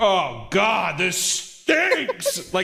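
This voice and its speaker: A man shouts in a put-on character voice at a high pitch, with light background noise. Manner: yelling rudely.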